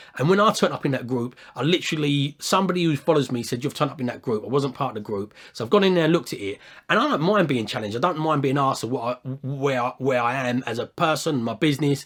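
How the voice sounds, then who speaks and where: On a very clean recording with a silent background, a man talks at a very fast pace with a fairly high pitch and lively intonation. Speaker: property investor and coach. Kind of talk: casual vlog commentary.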